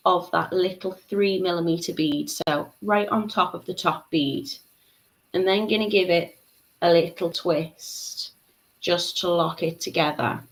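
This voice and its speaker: A woman's voice: fairly low pitch, rough recording. A woman, giving a live craft tutorial, chatting and laughing as she reads out viewer comments. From Liverpool, England. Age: 30s. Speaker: beading tutor.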